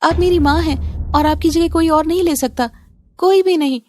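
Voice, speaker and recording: A woman's voice: very high voice, moderate pace, dark tone, dry recording, pitched above the performer's own voice. A woman voicing a sweet young bride. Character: young cheerful married daughter-in-law.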